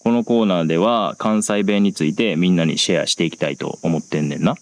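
A man's voice: low-pitched, quick pace. A man with a Kansai accent, hosting a casual podcast chat in an easygoing way. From Japan. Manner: easygoing, frequent agreeing. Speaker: host.

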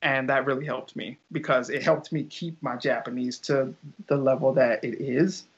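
A man's voice: mid-range voice, steady tone, normal speed. A young man, a teacher, chatting casually as an interview guest, rambling with lots of fillers and restarts. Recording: dull lo-fi audio.

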